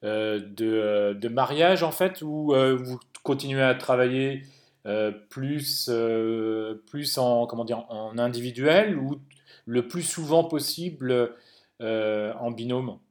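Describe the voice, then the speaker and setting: A man's voice: mid-range voice, slow. Hesitant male interview host. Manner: hesitant, many fillers. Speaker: podcast host. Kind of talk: interviewing guests.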